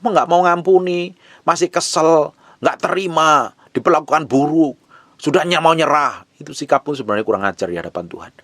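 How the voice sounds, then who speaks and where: A man's voice: fairly high pitch, animated, a little fast, fairly bright tone, no room sound. A man preaching a sermon as pastor, blunt and scolding with emphatic delivery.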